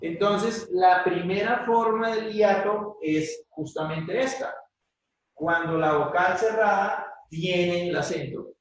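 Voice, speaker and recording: A man's voice: high-pitched, muffled recording. A male teacher giving a classroom grammar lesson, patiently checking in with his students after each point. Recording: very echoey room, voice from far off.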